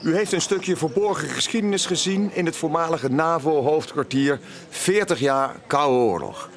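A man's voice: a little high, animated, normal speed. An actor playing a genial, joking middle-aged father who works as a tour guide, in an audio drama. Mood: jovial showman.

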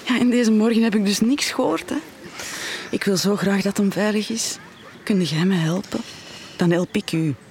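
A woman's voice: medium pitch, moderate pace, a little mellow, natural voice. An actress plays a middle-aged Flemish mother, devout and full of worry for her son. The acting is natural audio drama. There is faint noise in the background. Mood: pleading.

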